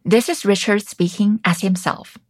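A woman hosting and narrating a documentary podcast in a calm, reflective scripted style. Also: mid-range voice, normal speed. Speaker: host and narrator.

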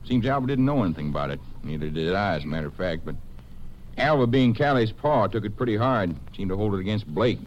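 Man playing folksy rancher on old radio western, lowish voice, touchy and defensive, faint noise. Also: animated, fast talker, dull audio, lightly acted. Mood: guarded, folksy. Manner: folksy, hesitant explaining that turns indignant. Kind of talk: 1950s western radio drama acting. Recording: noisy old-time radio recording.

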